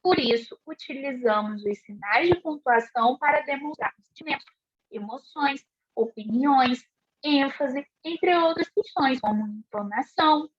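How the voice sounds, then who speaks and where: A woman teacher explaining a class lesson slowly and clearly, asking rhetorical questions. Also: high voice. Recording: dull lo-fi recording.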